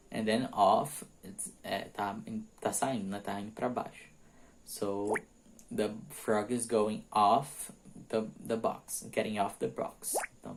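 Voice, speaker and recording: A man teaching English prepositions, reading example sentences slowly and explaining them quickly, often checking in with "ok?". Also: lowish voice, vocal fry, a little hiss or hum. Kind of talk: bilingual grammar lesson.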